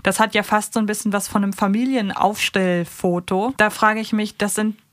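A woman's voice: medium pitch, steady tone, moderate pace, fairly bright tone, no echo. Woman podcaster, dry close recording. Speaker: podcast co-host. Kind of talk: conversational review of a children's audio drama.

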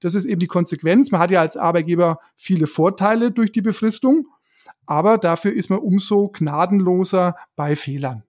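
High-pitched man explaining casually. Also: normal speed, darkish tone. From Germany. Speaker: podcast co-host, lawyer. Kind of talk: casual explanatory podcast talk.

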